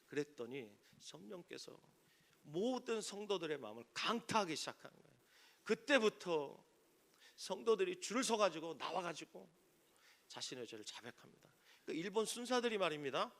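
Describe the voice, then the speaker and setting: Male pastor, higher-pitched and bright, dramatic sermon delivery with loud and hushed swings. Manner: preaching with dramatic swings from loud cries to near-whispers; acts out quoted voices in stories.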